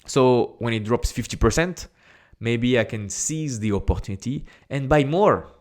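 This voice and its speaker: A man with a strong French accent talks straight to camera in a casual, direct way. His voice sits in a middle pitch for a man. He repeats phrases and fills pauses with a quick "uh". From France. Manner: chatty and direct, repeats phrases, frequent "uh" fillers. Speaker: investing YouTuber.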